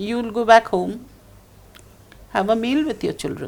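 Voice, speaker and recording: A woman's fairly high, lively voice with vocal fry at a moderate pace. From India. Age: 70s. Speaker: bereaved mother of a fallen army officer. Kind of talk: interview.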